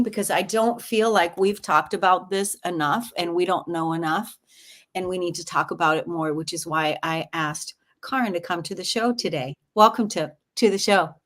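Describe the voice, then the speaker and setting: A woman hosting a podcast interview, talking in an earnest, meandering way with many fillers. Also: medium pitch. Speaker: podcast host.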